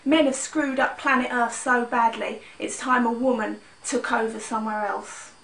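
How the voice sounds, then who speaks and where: A woman plays an opinionated feminist lecturer. Her voice is high, and she sounds far from the mic in an echoey room. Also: fairly even intonation, moderate pace, vocal fry, a bit bright. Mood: assertive. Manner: assertive, opinionated.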